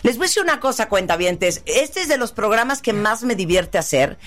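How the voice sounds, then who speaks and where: A woman's voice: fairly high pitch, sing-song, a little fast, fairly bright tone. Bubbly Mexican woman radio host. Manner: bubbly, exclamatory, cheering guests on. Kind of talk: lively radio chat.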